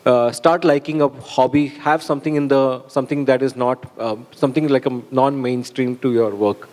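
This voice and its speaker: Male panelist, Indian accent, mid-pitched, informal advice-giving with repeats, heard in a reverberant hall. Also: steady tone, moderate pace, darkish tone. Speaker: symposium panelist. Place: large indoor hall. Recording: long echo of a hall.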